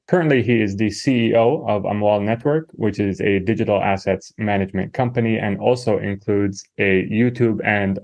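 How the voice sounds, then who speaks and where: A man's voice: lowish voice, darkish tone, dry recording. A man hosting a podcast interview, reading the intro and then asking his guest questions in a friendly, upbeat way. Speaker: podcast host.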